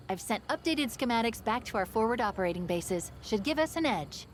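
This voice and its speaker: A woman's voice: fairly high pitch, slight background noise. A woman playing a confident, quippy young AI companion who briefs a soldier in a video game. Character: young female AI companion, bright, wry, confident.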